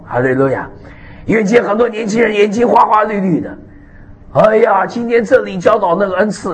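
A man preaching a sermon, animated and emphatic, with frequent hallelujahs and amens. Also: sits high. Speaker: pastor.

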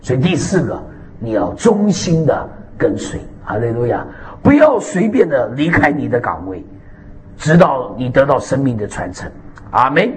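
A man preaching a sermon, animated and emphatic, with frequent hallelujahs and amens. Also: medium pitch, moderate pace, slight background noise. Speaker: pastor.

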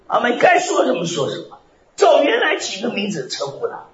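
A man's voice: very high voice, fairly quick, a crowd in the background. Fiery preaching male pastor, roomy sound. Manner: animated preaching with sudden shouted phrases. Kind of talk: fiery sermon. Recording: roomy, slightly dull recording.

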